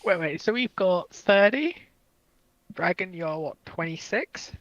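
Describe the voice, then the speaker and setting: A man's voice: high-pitched, expressive, a little slow, fairly bright tone, no echo, dull audio. A man in his early twenties chatting casually in a group, teasing and full of questions. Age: early 20s. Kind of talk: casual group chat on a livestream.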